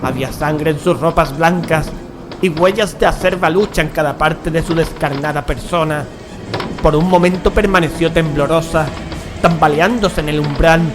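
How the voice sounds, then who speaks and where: An actor playing a horrified gentleman who recounts a gothic tale in solemn, measured, dramatic narration. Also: on the high side, lightly acted. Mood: solemn dread. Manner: solemn, literary, measured phrasing. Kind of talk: dramatic scripted horror narration. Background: dramatic music.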